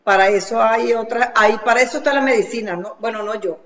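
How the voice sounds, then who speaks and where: A woman, a special education specialist, speaking as a guest in a lively, chatty way over a remote link. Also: a little high. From Venezuela. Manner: lively, chatty, quick to agree. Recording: roomy, dull remote line.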